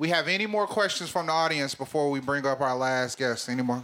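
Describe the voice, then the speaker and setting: A man talks at a fairly quick pace in a plain, everyday voice. His pitch is fairly high and his intonation lively. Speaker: live event host. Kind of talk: casual live interview with audience interaction. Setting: live venue with audience.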